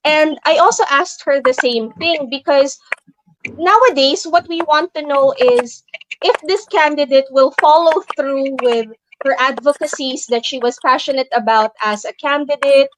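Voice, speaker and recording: A woman's voice: high voice, moderate pace, noisy background. A young adult woman hosting a casual interview over a video call, chatty and curious, with many fillers. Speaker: host.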